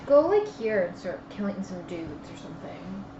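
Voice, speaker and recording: A woman's voice: mid-range voice, big pitch swings, normal speed. A blunt, argumentative woman chatting casually as a player in a board game stream. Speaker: player on a gaming live stream. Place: indoor room at a game table. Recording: echoey room, muffled lo-fi, faint noise.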